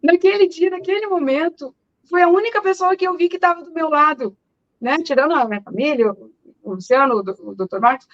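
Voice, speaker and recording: Guest, middle-aged woman, loud earnest testimony, high voice, lo-fi line. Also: no echo. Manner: talks fast and earnestly, repeats words; self-described loud speaking voice. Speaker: guest, mother. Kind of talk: emotional personal testimony.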